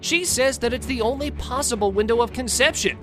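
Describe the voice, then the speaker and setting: A man's voice: very high-pitched, a little fast. A man reading dramatic scripted narration as a recap narrator. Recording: music bed under the voice.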